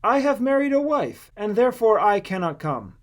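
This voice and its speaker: Guy doing some pleading bible fella, voice pushed up high, apologetic and polite. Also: very animated, moderate pace. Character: pleading men making entreaties and polite excuses.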